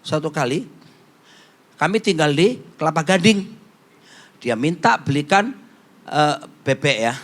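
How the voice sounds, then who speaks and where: Pastor guy, high voice bouncing around, cracking jokes through his sermon. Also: lively intonation, measured pace, long pauses, a bit bright. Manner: jokey storyteller, acts out quotes, slips into Javanese phrases. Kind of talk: humorous sermon.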